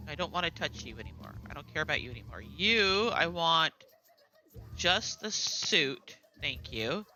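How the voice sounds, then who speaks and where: Casting: a bright-voiced, rambling, middle-aged American mom chatting while she plays, music faint underneath. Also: deep voice, expressive, moderate pace. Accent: General American. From United States. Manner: chatty, rambling, lots of fillers and asides. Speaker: gaming streamer. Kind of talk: casual chat while playing a game.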